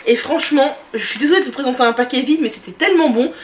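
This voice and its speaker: A woman vlogger enthusiastically reviewing her favorite products in a chatty, casual way, often pausing with "euh". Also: high-pitched, slight background noise. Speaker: beauty and lifestyle vlogger. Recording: voice distant from the mic.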